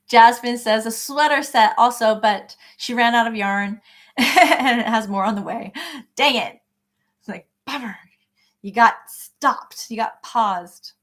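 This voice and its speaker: A woman hosts a live crochet session, chatting casually and reading out viewer comments, answering each by name with encouragement. Her voice is fairly high, a bit bright, and slow-paced.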